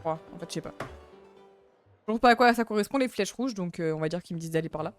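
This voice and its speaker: A woman's voice: fairly low pitch, animated, quick pace. A woman in her twenties chatting casually with her viewers while playing a game, rambling and talking to chat. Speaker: streamer. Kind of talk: casual gaming commentary. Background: faint game music.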